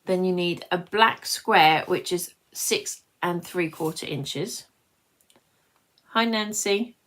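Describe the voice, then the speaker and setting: Taking things slowly in a lowish, slightly bright voice, a British woman of nearly fifty leads a live craft demonstration. She's the tutorial host, chatting and wandering off topic as she turns to talk with her viewers.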